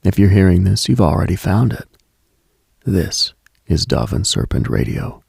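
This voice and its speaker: A man hosting a late-night mystical radio show, delivering a hushed, solemn, dramatic monologue with deliberate pauses in a gravelly, husky voice. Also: low voice, sing-song, dry recording, studio quality. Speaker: radio host.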